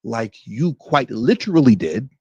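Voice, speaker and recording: Gravelly, scornful male news commentator. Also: mid-range voice, sing-song, unhurried, warm tone, no echo, muffled recording. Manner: scornful, emphatic, mocking. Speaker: political commentary show host. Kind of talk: opinionated commentary reading news quotes.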